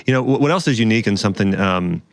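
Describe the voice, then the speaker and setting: A man in his forties speaks as a guest doctor in a fairly low voice, talking quickly with frequent fillers and restarts. His voice sounds dry and close, recorded in a podcast studio. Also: lively intonation, no room sound. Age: 40s. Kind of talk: casual conversation.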